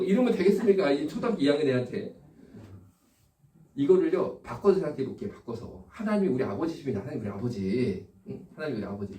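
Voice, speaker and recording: A middle-aged male pastor preaches fast and lively, with a slightly high, mellow voice. He is caught from a distance in a roomy, echoing church hall. He keeps firing rhetorical questions at the congregation. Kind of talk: sermon. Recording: echoey room, distant from the mic.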